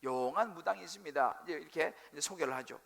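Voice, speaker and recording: A male pastor preaching a sermon, telling the story with animated, acted-out quotes. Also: on the high side, quick pace, gravelly. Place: church sanctuary.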